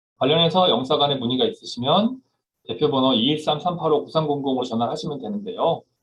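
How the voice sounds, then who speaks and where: Somewhat breathy and fairly high, a man's voice moves at a fairly quick pace with very wide pitch swings. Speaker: consular officer giving info session. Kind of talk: informational lecture. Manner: fast; formal.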